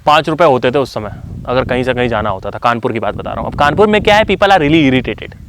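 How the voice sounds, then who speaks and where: A man's voice: medium pitch, expressive, quick pace, fairly bright tone, slight background noise. A man giving a casual motivational talk, speaking conversationally with fillers and frequent switches into English phrases. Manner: conversational, fillers like "you know".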